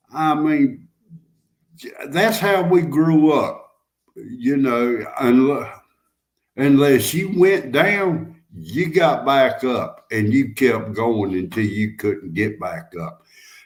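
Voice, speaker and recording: At a very slow pace, a man with a Southern US accent lets his pitch make very wide swings. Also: fairly high pitch for a man. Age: 60s. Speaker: outdoor channel host. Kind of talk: casual chat. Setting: livestream.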